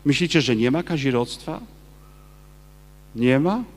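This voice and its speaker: A man, a Catholic priest, giving a lively sermon and firing rhetorical questions at his listeners. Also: mid-range voice, measured pace, long reverb tail. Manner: acts out quoted people in his talk.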